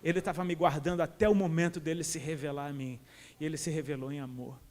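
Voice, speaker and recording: A man with a Brazilian Portuguese accent delivers a sermon in a high, bright register. He is impassioned and casual, talking to the congregation as if to friends. His voice rings out with the long reverb of a large church hall. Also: fairly even intonation, quick pace. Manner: impassioned, colloquial, calls listeners "cara". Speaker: preacher.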